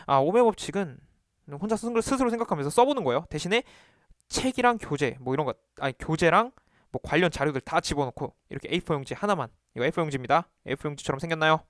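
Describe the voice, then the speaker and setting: A man coaching viewers on exam study in a lively video lesson, acting out talking to himself as he explains. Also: a little high, no room sound, clean studio sound. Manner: animated, talks to himself to demonstrate.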